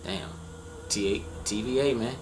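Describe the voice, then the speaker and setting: A man's voice: mid-range voice, lively intonation, unhurried, creaky, noisy background. A man giving casual, offhand reaction commentary as host of a video.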